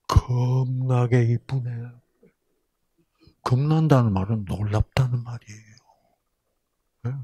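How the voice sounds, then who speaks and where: A man's voice: mid-range voice, a little mellow, husky, no room sound, studio quality. An older man giving a Bible lecture in storytelling style, acting out voices and asking his audience questions.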